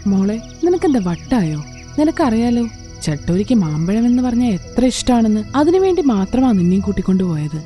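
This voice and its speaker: A woman's voice: fairly high pitch, very animated, a little fast, mellow, soft background music. A woman voicing a stern, protective mother bird in a children's cartoon, in a scolding manner.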